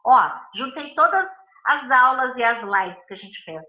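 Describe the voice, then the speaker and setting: A woman's voice: a little high, lively intonation, unhurried, roomy sound, phone-quality sound. A woman with a Brazilian Portuguese accent, a body and behavior analyst giving a live talk to viewers, speaking emphatically in repeated lists of phrases.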